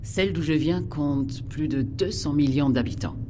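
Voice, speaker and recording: A woman's voice: low voice, normal speed, warm tone, a little hiss or hum, natural voice. An actress playing an earnest, idealistic female scientist from a future planet in an audio drama, questioning sincerely and with some hesitation. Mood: earnest, troubled. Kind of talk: audio fiction dialogue.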